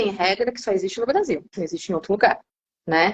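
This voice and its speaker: A woman talks with ordinary pitch variation. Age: 60s. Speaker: international structuring lawyer. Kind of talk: interview. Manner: hesitant, many fillers.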